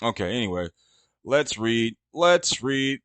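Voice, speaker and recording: A man in the middle of a casual podcast rant, swearing freely and mocking what he reads. His voice sits at an ordinary middle pitch. The sound is dry and close, with no room echo. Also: sing-song, takes it slowly, fairly bright tone, clean tone. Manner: profane, mocking, exasperated rant. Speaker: podcast host. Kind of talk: casual ranting commentary.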